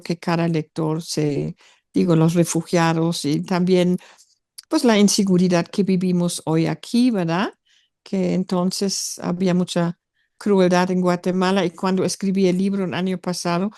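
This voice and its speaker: A woman's voice: lowish voice, mellow, no echo, clean studio sound. An older woman from Germany, whose first language is German, speaking in a thoughtful, hesitant interview conversation as an author. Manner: thoughtful, hesitant, many fillers.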